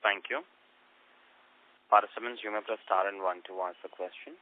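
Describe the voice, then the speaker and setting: Lowish-voiced male call operator. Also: fairly even intonation, moderate pace. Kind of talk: scripted call announcements. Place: conference phone call. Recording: narrow phone line.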